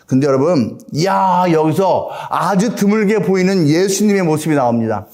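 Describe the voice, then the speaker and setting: Guy preaching a sermon, high voice that jumps around a lot, acts out the characters. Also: moderate pace. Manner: animated, acts out quoted voices. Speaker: pastor.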